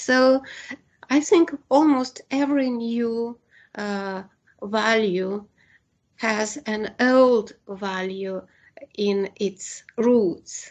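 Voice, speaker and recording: A woman with a Russian accent speaks at a very slow pace. Her pitch varies in an ordinary way, and she leaves long, frequent pauses. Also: fairly high pitch for a woman. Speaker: linguistics researcher. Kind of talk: Q&A after online lecture. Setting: video call. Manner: hesitant, many fillers.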